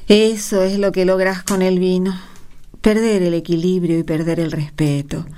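An actress playing a pious, patient mother in a radio drama, gently chiding with an Argentine accent. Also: fairly low pitch, steady tone, moderate pace, clear, resonant tone, natural voice. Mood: reproving, earnest. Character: patient, pious, reproving mother of a grown son.

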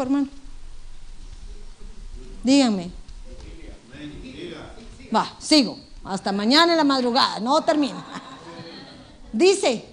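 A middle-aged woman pastor, preaching a lively sermon straight to the congregation. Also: a little high.

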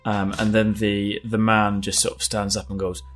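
A man's voice: on the low side, monotone, normal speed, fairly bright tone, faint music behind. A man narrating a tabletop role-playing game as game master, in conversational style.

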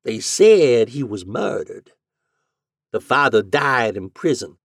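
A man's voice: sing-song, vocal fry, no room sound, studio quality, full character voice. Man putting on a drawling old landlady. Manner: slow drawl, high and loud. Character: drawling sly old landlady, cool and unbothered.

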